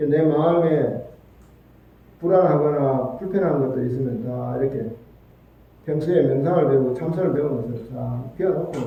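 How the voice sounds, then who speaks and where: Amid audible room echo and noticeable background noise, a man with a fairly high pitch and ordinary pitch variation speaks at a moderate pace with long, frequent pauses. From South Korea, Sancheong, South Gyeongsang. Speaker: Buddhist monk. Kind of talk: dharma talk. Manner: conversational.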